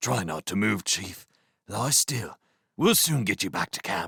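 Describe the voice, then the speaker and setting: A man uses a put-on character voice that is raspy, at a medium pitch. The recording is very clean with a silent background. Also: moderate pace. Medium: read story. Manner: wheedling, rough.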